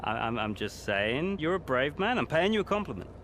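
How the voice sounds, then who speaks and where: A cocky, condescending young racing driver in a game cutscene. His pitch swings around animatedly as he needles and feigns innocence, with clear vehicle noise behind him. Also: very animated, a little fast, fairly bright tone. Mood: mocking. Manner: mocking, falsely innocent, chuckling condescension. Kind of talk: cinematic video game acting.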